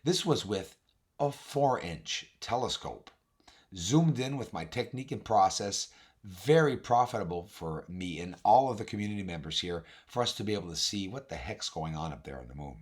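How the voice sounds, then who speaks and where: Hoarse, raspy man narrating informally. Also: lowish voice, lively intonation, moderate pace. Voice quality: raspy, husky. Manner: emphatic, addresses viewers directly as guys. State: hoarse voice, recovering. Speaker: video host, amateur telescope observer. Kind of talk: informal narrated walkthrough of on-screen images.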